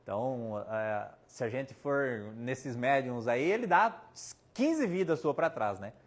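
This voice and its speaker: This Brazilian spiritist medium, with a Brazilian Portuguese accent, speaks slowly and expressively in a mid-range voice. His casual talk, which includes audience questions, is chatty and anecdotal, quoting people in his stories and sprinkled with jokes.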